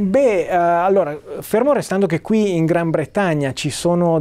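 Over a quiet background, a man speaks at a high pitch with a dark, mellow tone. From Italy. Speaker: fund manager; interviewee. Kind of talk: interview. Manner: halting, many fillers. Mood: calm, measured. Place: studio. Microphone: lapel.

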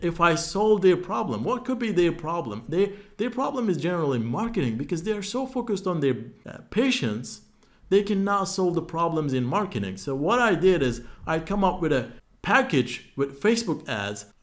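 Over a quiet background, a man with a Turkish accent speaks at a moderate pace in a high pitch with very wide pitch swings. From Turkey. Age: 20s. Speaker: online business coach and YouTuber. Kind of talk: tutorial. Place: home room. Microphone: webcam.

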